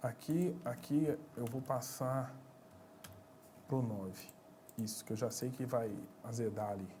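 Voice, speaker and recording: A man's voice: medium pitch, steady tone, slow pace, mellow, a little hiss or hum. A man, teaching an informal exam-prep lecture in a blunt, slangy way, talking straight to his students.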